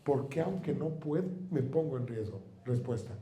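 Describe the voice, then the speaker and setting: A man in his thirties, a workshop speaker telling a personal story to his audience in an animated way, with casual swearing. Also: medium pitch, normal speed, reverberant. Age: 30s. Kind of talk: seminar storytelling.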